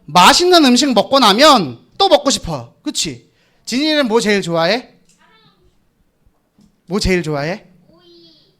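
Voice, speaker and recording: A young man preaching to a room of children with a strikingly high voice. He leads call and response, coaxing the kids to repeat each line after him. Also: big pitch swings, measured pace, long pauses, sharp tone. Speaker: children's pastor. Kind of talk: children's sermon.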